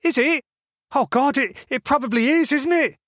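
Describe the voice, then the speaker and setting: A man's voice: very high-pitched, normal speed, a bit bright, dry recording, studio quality, pitched above the performer's own voice. A man voicing a cheerful, awkward young man who talks with fussy, formal politeness. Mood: eager. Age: young adult. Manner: cheerful, eager, fussily polite.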